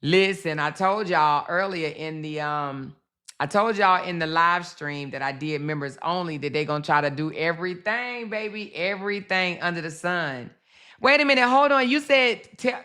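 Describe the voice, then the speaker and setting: A woman's voice: medium pitch, sharp tone. A woman hosting a casual live-stream commentary, reading chat comments aloud and calling viewers baby and girl. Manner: chatty, calls viewers baby and girl, repeats phrases.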